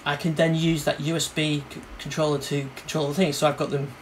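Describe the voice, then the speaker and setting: A man giving a casual, hands-on synthesizer demo, explaining informally and a little haltingly as he works. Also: fairly high pitch, little pitch movement, a little hiss or hum. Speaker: synthesizer demonstrator and reviewer. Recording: synthesizer music behind the voice. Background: synthesizer sounds and music.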